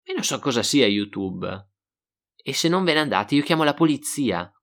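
A man's voice: big pitch swings, normal speed. A man doing Marta, an angry foul-mouthed young woman. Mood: furious. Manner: shouting insults, high-pitched.

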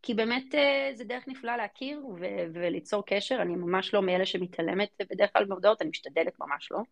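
A woman's voice: mid-range voice, gravelly. A woman with an Israeli accent giving casual interview answers, emphatic and informal, often repeating words for emphasis. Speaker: guest, fintech venture investor.

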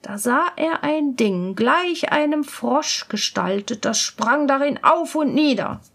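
A woman reads a fairy tale aloud at a slow, measured pace. Her voice sits slightly high and stays calm and even throughout. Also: vocal fry. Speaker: storyteller.

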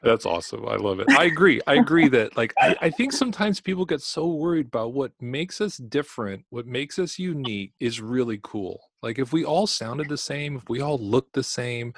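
A man's voice: mid-range voice, expressive, normal speed, few pauses, dry recording, clean studio sound. A man hosting a podcast, talking in an upbeat, chatty, conversational way. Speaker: podcast host. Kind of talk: casual interview.

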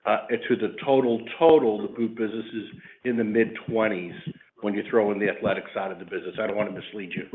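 Exec guy on a conference call, fairly low voice, halting, repeats himself, phone line sound. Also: steady tone. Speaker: company executive answering analysts. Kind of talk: earnings call answers. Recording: band-limited phone line.

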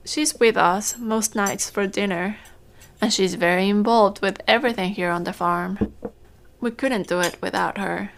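A woman playing a caring middle-aged farm matriarch in an audio drama, with a creaky voice. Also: mid-range voice, fairly even intonation, measured pace, a little hiss or hum. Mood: gentle, sad. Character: caring farm matriarch, mother of a grown daughter. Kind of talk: naturalistic audio drama acting.

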